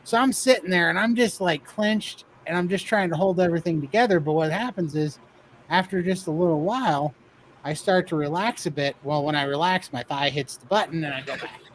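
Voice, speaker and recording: A man's voice: a little high, brisk, background noise. A man casually telling a funny story about himself, laughing often as he goes. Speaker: guest telling his weight-loss story.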